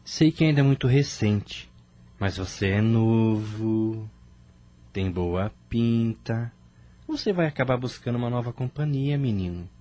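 An actor playing an affectionate, gently effusive gay male friend in a radio soap opera. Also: medium pitch, animated, a little slow, lightly acted. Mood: caring, flirty.

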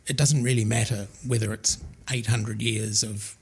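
An older man, an archaeologist, answering interview questions in a measured, thoughtful way. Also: on the low side, steady tone. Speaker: archaeologist guest. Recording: faint background noise.

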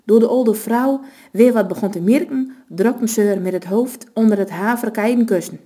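A woman with a Low reading a story aloud in a steady, even narrating voice. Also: moderate pace, slightly rough.

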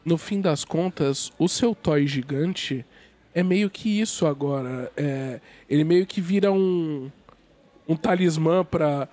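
A man hosts a live interview, his fairly high voice stuffed up and a bit nasal from a cold. He talks hesitantly, circling back with fillers and restarts. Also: takes it slowly, darkish tone. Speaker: host of a live show.

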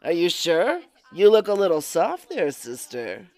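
A woman's voice: fairly low pitch, wildly swooping pitch, measured pace, a little mellow, no echo, heavily acted. A woman playing a pushy, blunt health club owner with a salesy manner in an old-time radio comedy. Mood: brisk, salesy.

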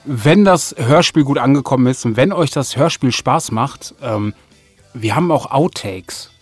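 Man, mid pitch, dry recording, polite, informal, casual interview guest. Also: expressive, measured pace, breathy edge, no room sound, faint music behind. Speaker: audio drama editor and composer, interview guest.

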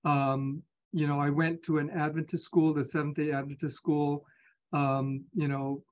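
A man in his fifties from Singapore, a physician answering interview questions in a measured, hesitant way. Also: a little high, flat delivery, lo-fi sound. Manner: measured, hesitant, with many pauses. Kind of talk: conversational interview.

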